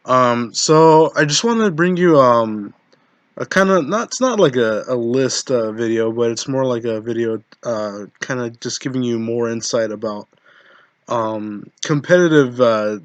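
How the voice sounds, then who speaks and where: Hoarse guy, mid-pitched, dry close sound, casual halting explainer with lots of ums. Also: expressive, dry recording. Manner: hesitant, many ums and restarts. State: hoarse from being sick. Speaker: Yu-Gi-Oh content creator. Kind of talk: casual talk to camera, deck-building tips.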